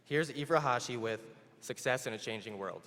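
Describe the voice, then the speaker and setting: A man's voice: medium pitch, normal speed, a bit bright. A man formally introduces the next speaker at a ceremony. His voice sits in a middle range and sounds far from the mic, with the long reverb of a large hall around it. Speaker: ceremony presenter.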